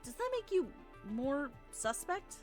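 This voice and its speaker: A woman's voice: high voice, sing-song, measured pace. A woman playing through a video game, reading the characters' dialogue aloud in a theatrical, playful way. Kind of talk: gaming playthrough with dramatic read-aloud of characters. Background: video game music.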